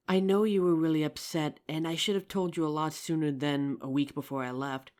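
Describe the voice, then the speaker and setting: A performer playing a regretful, tender zombie apocalypse survivor in an intimate audio roleplay, speaking earnestly with hesitant pauses. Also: mid-range voice, darkish tone, close to an everyday voice. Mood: apologetic, regretful. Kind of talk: ASMR audio roleplay, intimate scripted drama.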